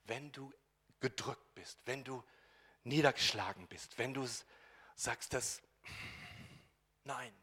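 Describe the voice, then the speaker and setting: A man preaching a sermon, moving between quiet, intimate lines and loud, emphatic passages, acting out quoted dialogue. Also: mid-range voice, takes it slowly, long pauses, husky. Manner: acts out quoted dialogue in voices.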